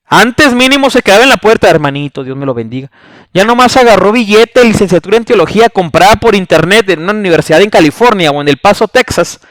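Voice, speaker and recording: Man, high-pitched, dry close sound; scornful preachy rant, salty language, host delivery. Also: dry recording. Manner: blunt, scornful, swears, repeats rhetorical "¿sí?". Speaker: channel host. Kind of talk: preachy critical monologue.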